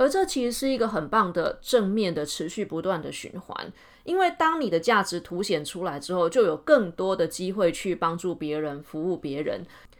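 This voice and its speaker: On a very clean recording with a silent background, a woman has an ordinary speaking voice at a medium pitch. She talks at a moderate pace with lively intonation and hardly any pauses. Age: 30s. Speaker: podcast host and lifestyle coach. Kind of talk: solo podcast monologue.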